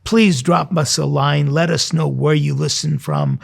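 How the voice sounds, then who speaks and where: A man's voice: on the high side, unhurried, gravelly, slightly rough. A man speaking as a priest and programme host, giving an informal sermon in a conversational way with direct questions to his listeners. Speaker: priest hosting a weekly devotional programme. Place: recorded in a cathedral choir loft.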